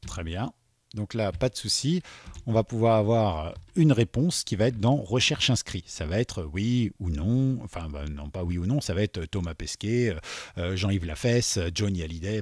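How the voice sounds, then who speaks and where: A man's voice: fairly low pitch, no room sound, clean studio sound. A man teaching beginners to code, thinking aloud as he types and often checking in with "d'accord?". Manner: chatty, thinks aloud while typing, frequent "d'accord?". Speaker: coding instructor. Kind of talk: screen-recorded coding tutorial.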